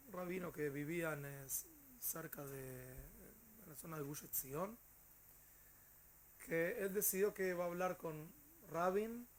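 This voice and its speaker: A male teacher with a Rioplatense Spanish accent, telling a story to his class in an animated way with hesitant fillers. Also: on the high side, slight background noise.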